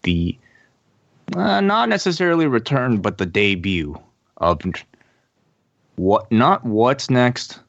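A man's voice: mid-range voice, big pitch swings, slow pace, gravelly, pauses often, no echo, lo-fi sound. A man co-hosting a podcast and casually making a show announcement. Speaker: podcast co-host.

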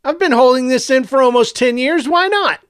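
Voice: high voice, expressive, moderate pace, fairly bright tone, clean tone, dry recording, clean studio sound, pitched above the performer's own voice. A narrator voicing a smug, boastful male superhero who is secretly a villain, talking in a mocking, sly way.

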